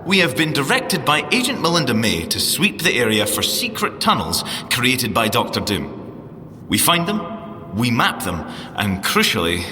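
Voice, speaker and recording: A teasing Scottish field scientist in an audio drama. His voice is bright and forceful, with lively swings of pitch. He is playful and theatrical, in a reverberant space. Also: unhurried, soft background music. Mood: chatty, earnest. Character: playful, teasing male spy-agency scientist agent.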